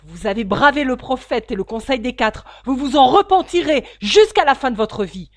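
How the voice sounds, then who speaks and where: A woman's voice: mid-range voice, lively intonation, moderate pace, natural voice. A woman reading as a pompous young Mormon elder. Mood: threatening. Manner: emphatic, loud delivery.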